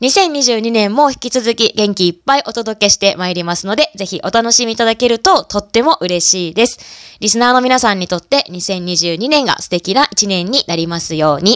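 A plain, everyday voice moves at a moderate pace with lively intonation, hardly any pauses, and a dry, close sound with no echo. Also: woman, fairly high pitch for a woman. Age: 30s. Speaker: podcast host and office worker. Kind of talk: solo monologue podcast. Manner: polite, formal.

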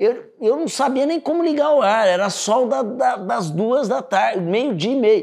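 Speech comes at a fairly slow pace with lively intonation and hardly any pauses. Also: man, extremely high pitch for a man. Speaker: podcast host. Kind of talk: casual banter, podcast chat.

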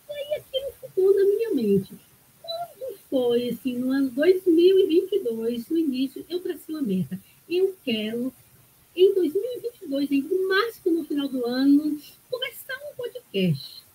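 A woman speaks at a very slow pace with an extremely high pitch. Her tone is dark and mellow, and her pitch swings very widely. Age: 60s. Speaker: holistic therapist and author. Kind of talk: live interview. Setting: live online stream.

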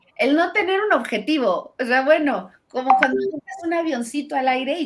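A woman speaks in an animated tone. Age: 50s. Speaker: designer and entrepreneur mentor. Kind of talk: interview conversation. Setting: video call.

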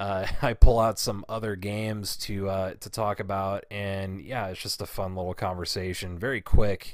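A normal speaking voice moves at a fairly slow pace. The recording is very clean, with a silent background. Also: man. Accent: American. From US South. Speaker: podcast host and streamer. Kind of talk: casual chat.

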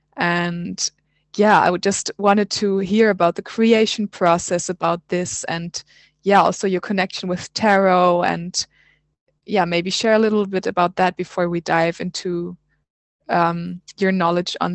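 A woman's medium-pitched voice in a German accent, monotone and flat, at a moderate pace. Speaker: podcast host. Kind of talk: casual interview.

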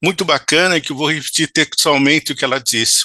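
A man speaks with a bright, sharp tone in a fairly high pitch. The background is quiet. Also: dry, close sound with no echo. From Paraná, Brazil. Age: 60s. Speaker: retired civic activist. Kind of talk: podcast interview.

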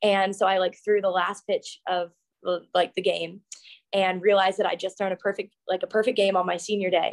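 A woman talks at a fairly quick pace in a medium-pitched, monotone, flat voice, the sound dry and close with no echo. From US (moved from England as small child). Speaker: softball pitcher. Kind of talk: interview. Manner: loud.

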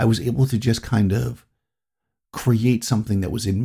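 A man talks in a dark, mellow tone. There is a somewhat breathy quality to his voice. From New England. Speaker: podcast host. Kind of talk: solo podcast monologue.

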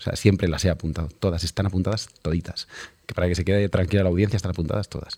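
A man's very deep, low voice with a dark, mellow tone, monotone, flat intonation and a very fast pace. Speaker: magazine editor and author. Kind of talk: interview.

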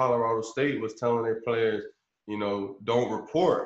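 Moderately paced, a man speaks in a plain, everyday voice. His pitch is medium and his intonation fairly even. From Tampa, Florida. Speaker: sports agent. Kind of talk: interview.

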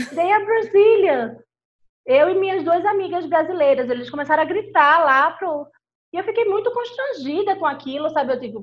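A woman's extremely high voice with very wide pitch swings at a moderate pace. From Brazil. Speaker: business reputation expert. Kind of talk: casual chat.

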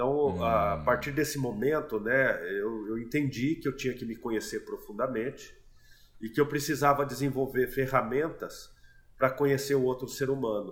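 The man's voice is somewhat breathy and his intonation fairly even. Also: medium pitch for a man, moderate pace. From Brazil, Goiás (Goiânia). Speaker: enneagram teacher and therapist. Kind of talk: podcast interview explaining personality types.

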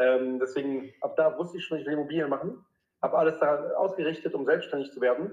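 This man talks very fast, his pitch fairly high for a man. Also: ordinary pitch variation. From North Rhine-Westphalia, Germany. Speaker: real estate investor and entrepreneur. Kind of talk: interview.

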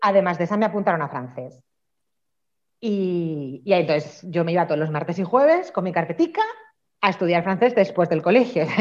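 A woman talks at a fairly quick pace with a fairly low pitch and ordinary pitch variation. Her loudness swings widely. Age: 30s. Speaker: communication trainer and entrepreneur. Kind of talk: interview conversation.

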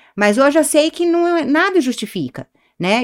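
Speech with very wide pitch swings moves at a fairly slow pace in a very clean recording with a silent background. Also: woman. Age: 40s. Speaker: psychologist. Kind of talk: interview conversation.

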